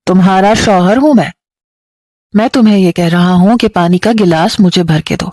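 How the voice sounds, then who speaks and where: A woman's voice: lowish voice, a little mellow, no echo, studio quality, natural voice. A woman with a Pakistani Urdu accent voicing a bitter, defiant young man who speaks in a cold, taunting way.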